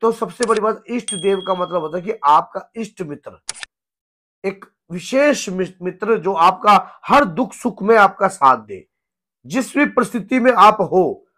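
A hoarse man in his thirties, a spiritual guru giving an earnest devotional teaching talk at home. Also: high-pitched, lively intonation, measured pace, sharp tone. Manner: earnest, gesturing, repeats himself. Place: home room with a shrine, indoors.

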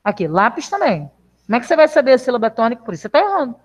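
This primary school teacher from Brazil talks rapid-fire in a slightly high, very animated voice, her accent Brazilian Portuguese. She reassures children patiently during a live online class, drawing them out with coaxing questions, all captured as lo-fi video call audio.

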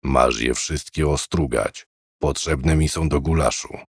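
An actor playing a menacing, irritable old male killer in a horror audiobook, grumbling in a low voice. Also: a little slow, husky, no echo, studio quality, heavily acted. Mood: gruff, irritated.

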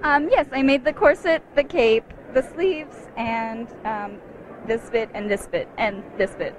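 A woman cosplayer, soft-spoken and hesitant with ums, answering into a handheld mic in a convention hall. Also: on the high side, measured pace, background noise. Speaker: cosplayer interviewee. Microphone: handheld mic held by interviewer.

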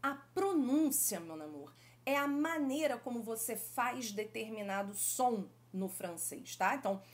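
A middle-aged woman from Brazil with a Brazilian Portuguese accent, teaching French in a video lesson and talking straight to the viewer in an affectionate, lively way. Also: on the high side, measured pace. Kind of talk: YouTube language lesson.

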